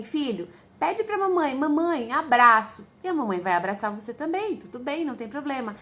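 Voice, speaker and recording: A Brazilian Portuguese-accented woman gives parents advice in a relaxed, instructive way. Her voice sits a little high. She explains each point patiently and speaks straight to the listener. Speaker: parenting educator. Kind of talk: casual instructive talk to parents.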